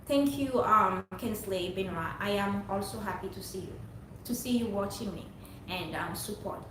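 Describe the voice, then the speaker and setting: A woman's voice: mid-range voice, normal speed, a bit bright. A young woman from Haiti, talking to her viewers in a rambling, earnest, preachy monologue. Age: young adult. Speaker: vlogger. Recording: very echoey room, distant mic, faint noise.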